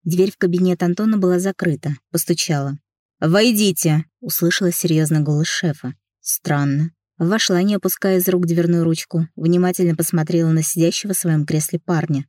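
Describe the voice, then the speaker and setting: A woman narrating a first-person romance novel as an audiobook, in a lively, emotional way. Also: fairly low pitch, fairly quick, hardly any pauses, no echo, clean studio sound.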